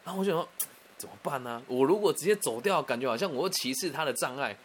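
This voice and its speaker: A man with a Taiwanese Mandarin accent telling a personal story in a chatty, animated way, often restarting and adding asides. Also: a little high, quick pace, slight background noise.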